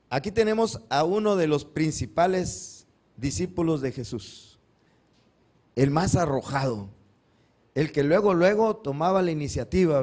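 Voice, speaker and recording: A man's voice: a little high, darkish tone. A male pastor giving a Sunday sermon, posing questions to the congregation and answering them himself, acting out the cries of the Bible figures. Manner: acts out biblical cries dramatically.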